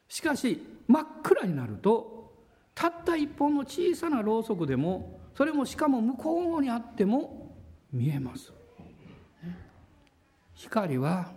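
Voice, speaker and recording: A man pastor preaching a sermon in a church, with drawn-out pauses and a voice that sometimes drops to a near whisper. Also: high voice, a little mellow.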